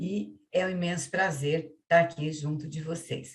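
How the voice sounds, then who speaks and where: A woman's very deep, low, somewhat breathy voice. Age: 60s. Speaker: math teacher trainer. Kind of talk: online teacher training lecture. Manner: friendly, hesitant with fillers.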